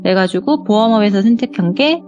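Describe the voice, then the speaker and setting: A woman's voice: mid-range voice, expressive, brisk, lo-fi sound. A woman guest telling true scary stories in a conversational way. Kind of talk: conversational storytelling. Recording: music playing behind the voice.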